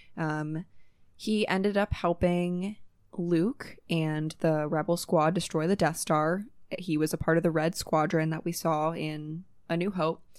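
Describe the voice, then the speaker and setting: A woman with an unremarkable speaking voice, fairly low in pitch, fairly even intonation, fairly slow pace, very clean recording and silent background. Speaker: podcast co-host. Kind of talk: casual chat.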